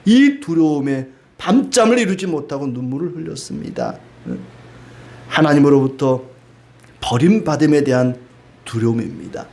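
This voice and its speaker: A man's voice: a little high, darkish tone. A man preaching a sermon in a conversational way, dropping frequent rhetorical asides and rising into pleading emphasis. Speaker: pastor.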